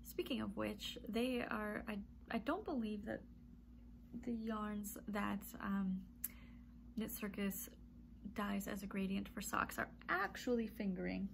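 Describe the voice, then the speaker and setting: A woman in her thirties chats to camera in her yarn-filled home room, rambling easily with little laughs and ums. Her nose is stuffy and her voice has a gravelly edge. A steady hiss of background noise sits under the recording. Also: mid-range voice, measured pace. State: stuffy nose, a bit congested. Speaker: knitting podcast host. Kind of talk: casual chatty monologue to camera.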